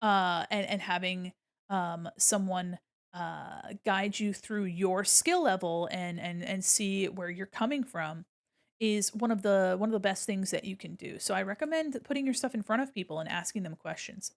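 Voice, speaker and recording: A woman streams casually while she draws, talking through each step at a medium pitch. She is gentle and encouraging, explaining things simply like an art teacher chatting with viewers. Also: normal speed, vocal fry. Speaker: art streamer and critique host. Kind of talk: casual livestream commentary while drawing, reading chat aloud.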